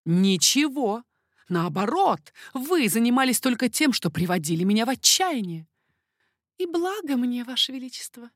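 Woman voicing a breathy coquettish baroness. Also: a little high, very animated, moderate pace, dry recording, clean studio sound, voice pushed up. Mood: coy teasing. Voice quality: breathy, airy whispers. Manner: coquettish, lilting.

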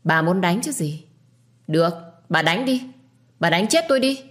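A woman voicing a scheming, bitter young wife who answers back with sharp, cutting retorts. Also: on the low side, lively intonation, a little fast, lightly acted. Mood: bitter defiant.

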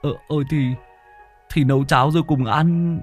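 A man's voice: fairly high pitch, steady tone, normal speed, faint music behind, voice pushed up, natural voice. A man voicing a shy, bumbling man who stammers when talking to a woman. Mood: flustered. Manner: stammering, hesitant.

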